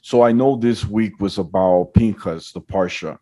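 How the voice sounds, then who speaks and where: Man, podcast host, low voice, mellow, eager questions. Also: moderate pace. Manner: enthusiastic, repeats his praise. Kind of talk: casual interview questions.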